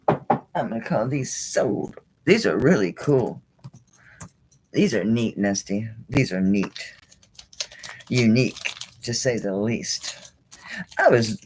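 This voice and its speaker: A woman's voice: rumbling low, sing-song, slow pace, pauses often, a little mellow, slight background noise, poor audio. A woman hosting a live jewelry auction in a chatty, casual way, laughing often and talking to herself as she handles items. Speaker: online jewelry seller.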